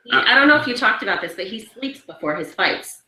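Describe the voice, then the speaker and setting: A woman's voice: mid-range voice, animated, fairly quick, bright, forceful tone. A woman as an interview guest, chatting candidly and laughing easily. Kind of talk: casual interview chat. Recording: echoey room.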